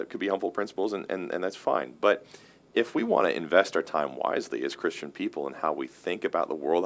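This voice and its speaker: A pastor with a very deep, low, creaky voice discusses theology casually and in a relaxed way. He explains earnestly, often circling back and restarting or repeating words mid-thought.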